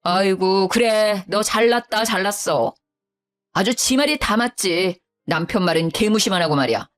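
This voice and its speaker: A woman's voice: medium pitch, normal speed, faint music behind, close to an everyday voice. Woman reading an irritable young husband in an audio story, sulky and reproachful, barely disguised. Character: irritable young husband siding with his mother.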